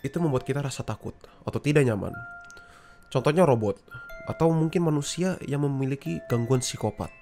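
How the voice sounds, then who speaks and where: A man's voice: mid-range voice, darkish tone. A man hosting a video essay, explaining ideas step by step in a casual way and speaking straight to his viewers. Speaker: YouTube video essay host.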